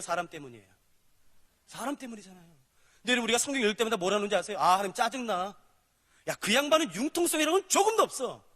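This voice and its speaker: A high, bright-voiced man delivers a sermon as a pastor, animatedly acting out dialogues between God and sinners. His voice rings with a long reverb from a large church hall.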